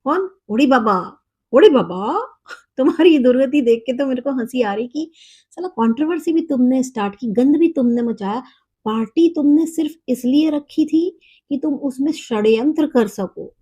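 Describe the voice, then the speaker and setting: A woman's voice: high-pitched, normal speed, mellow, breathy edge. A young woman hosting a reaction video, mocking and scolding the people she reacts to and dropping in English phrases. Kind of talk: sarcastic reaction commentary.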